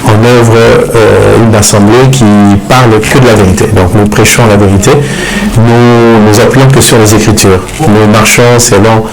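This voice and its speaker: A middle-aged man from Kinshasa, a pastor answering interview questions in a slow, measured way with many pauses. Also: fairly low pitch, fairly even intonation, rough recording. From Congo, Kinshasa. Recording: music bed in the background.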